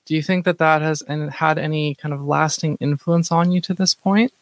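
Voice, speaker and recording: Gravelly higher-voiced podcast host. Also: male voice, steady tone, no echo. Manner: halting, many fillers and repeats. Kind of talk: casual interview hosting.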